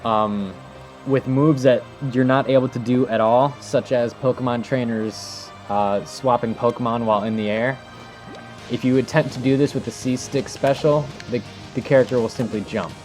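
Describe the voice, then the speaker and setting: A man's voice: medium pitch, steady tone, moderate pace, darkish tone. A man giving casual, improvised commentary as he demonstrates techniques in a video game, thinking aloud in an informal way. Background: music.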